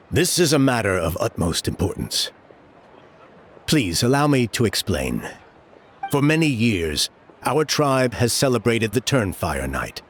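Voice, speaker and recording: An actor playing a stern, protective middle-aged tribal elder and father in a game, with a measured, formal way of speaking. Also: mid-range voice, very animated, a little hiss or hum. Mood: solemn.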